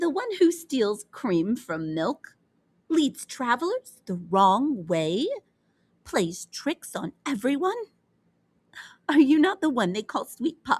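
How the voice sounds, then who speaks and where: A woman's put-on character voice, high and sing-song, with very wide pitch swings, a fairly slow pace and long, frequent pauses. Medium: read story. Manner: singsong, rhyming.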